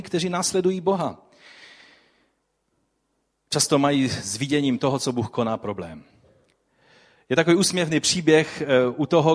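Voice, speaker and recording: A man preaching a sermon, telling a story vividly and putting rhetorical questions to his listeners. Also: a little high. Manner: addresses the audience with rhetorical questions; animated storytelling with swings in loudness.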